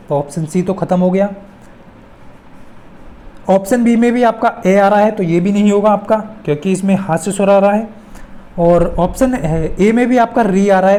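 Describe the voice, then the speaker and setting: Mellow-voiced woman teaching. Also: medium pitch, a little hiss or hum. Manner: instructional, repeats phrases for emphasis. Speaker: exam-prep teacher. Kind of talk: informal lesson working through multiple-choice questions.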